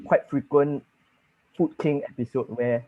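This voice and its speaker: A man's voice: mid-range voice, fairly even intonation, unhurried, dry recording. Earnest Singaporean young man, dull call audio. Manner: earnest, explanatory. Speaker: student contestant. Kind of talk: answering judges' questions.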